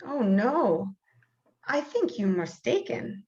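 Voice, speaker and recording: A woman's voice: on the high side, sing-song, slow, a little mellow, exaggerated voice. A woman playing a shy, earnest middle-aged visitor full of wonder in a play reading, speaking hesitantly over a video call. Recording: dull video call audio.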